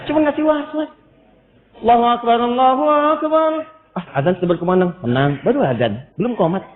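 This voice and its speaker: A lively male preacher delivers a humorous sermon with a high voice. He sounds tinny, as if over a phone line, and his words echo through a big hall. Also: fairly quick. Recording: tinny echoey hall recording.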